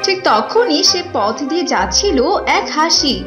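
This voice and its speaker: Female story narrator, high pitch, lively intonation, scripted, echoey, clear background music. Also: unhurried. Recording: roomy echo, clear music behind.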